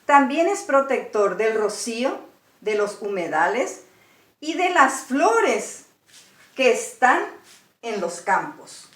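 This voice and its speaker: A woman's voice: fairly high pitch, big pitch swings, slow, fairly bright tone. A woman teaching a language lesson, patiently explaining words one by one. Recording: echoey room.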